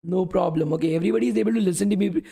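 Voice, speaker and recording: High, husky, and mellow with a creaky edge, the young man's voice comes out rapid-fire and sounds worn from talking all day. He's a coding bootcamp instructor in a live-streamed lesson, loosely saying "okay" and "guys" while fielding chat questions.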